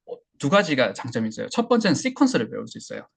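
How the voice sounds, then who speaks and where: Gravelly-voiced man teaching a class. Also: medium pitch, racing. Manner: relaxed, explanatory, many fillers and restarts. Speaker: English listening instructor. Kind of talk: online class lecture.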